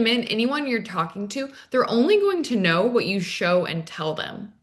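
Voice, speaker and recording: A woman's voice: mid-range voice, fairly bright tone. A woman with a mid-range voice talks as an expert guest in an interview. She explains her advice in an articulate, conversational way, often framing points as rhetorical questions. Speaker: dating coach guest.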